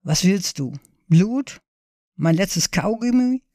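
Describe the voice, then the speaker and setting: A blunt, boozy middle-aged man with a gruff edge, as a woman reads him. The recording is dry. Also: mid-range voice, animated, takes it slowly, mellow, dry recording.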